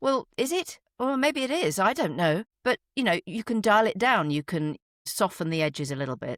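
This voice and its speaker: Her pitch is medium but swings very widely as this woman talks at a moderate pace, in a dry, close sound with no echo. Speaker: voice actor. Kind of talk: interview. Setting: podcast. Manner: precise diction.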